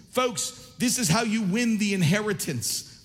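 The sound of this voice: An unforced reading voice, its pitch varying in an ordinary way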